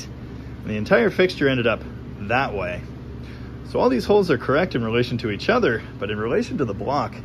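A man talks through an engine build in a cluttered home garage, his pitch rising and falling in a lively, wry way. The room is noisy, with a steady hum of background sound under his voice, picked up by the camera's microphone. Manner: animated, wry, talks with his hands while showing parts. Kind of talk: casual explanatory workshop commentary.

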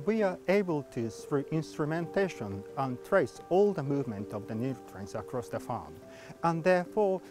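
A man's voice: mid-range voice, a little mellow. A man, a research scientist, explaining his work outdoors in a field in a hesitant way with many fillers. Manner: hesitant, many fillers, non-native phrasing. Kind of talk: on-camera interview. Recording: faint music underneath.

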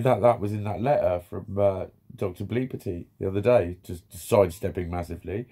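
A man's voice: on the low side, mellow. Sweary man ranting casually. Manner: swears constantly, laughs, acts out quotes. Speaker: vlogger. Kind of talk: casual vlog rant. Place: small room with tapestries, lounging.

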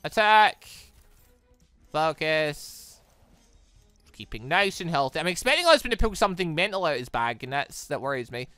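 An excitable British gamer rambles through let's play commentary, often breaking off mid-sentence. The voice is recorded close and dry, with music playing behind it. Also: mid-range voice, moderate pace, pauses often, dry recording. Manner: excitable, rambling, self-interrupting. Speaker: gaming video host. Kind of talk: let's play commentary, reading dialogue aloud. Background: game music.

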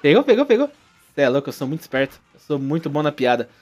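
A man's voice: mid-range voice, steady tone, racing, faint music behind. A young Brazilian man with a Brazilian Portuguese accent, joking through playthrough commentary and talking to the game characters. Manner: jokey, exclamatory, talks to the game characters. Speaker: gaming YouTuber.

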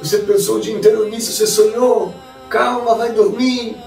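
A man voicing a patient wife who calms her frightened husband. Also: high-pitched, moderate pace, gravelly, voice pushed up. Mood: soothing. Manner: soothing, reassuring. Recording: roomy, distant mic, faint music.

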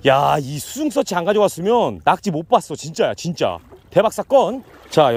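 A man vlogging while foraging for octopus on a mudflat at night, wading in the sea. He swings between loud excited exclamations and low, calm explanations. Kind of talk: excited outdoor narration.

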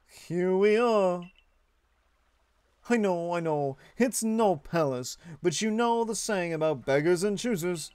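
A man voicing a friendly young male merchant with flattering salesman patter. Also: high-pitched, slow pace, smooth, no echo. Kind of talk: dubbing game dialogue aloud.

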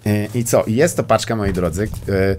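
A man's voice: on the low side, moderate pace, darkish tone, a little hiss or hum. A young man hosting a casual comedy podcast, telling rambling stories with crude jokes and bits of English. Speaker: podcast host.

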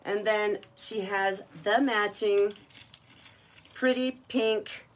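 A woman's voice: medium pitch, fairly even intonation, very slow. Chatty woman gushing over jewelry. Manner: chatty and gushing, praising each piece. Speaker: jewelry seller hosting a live online party. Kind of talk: live-stream sales chat.

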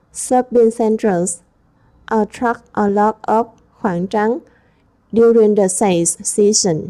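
Slow, mellow woman English teacher. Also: mid-range voice. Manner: slow, reads each word then translates. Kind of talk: textbook lesson walkthrough.

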